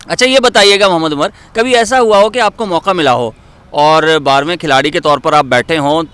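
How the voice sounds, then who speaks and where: A man with a Pakistani accent presenting in a theatrical, emphatic and deliberate way, like a dramatic poetry reader. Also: a little high, a bit bright, smooth.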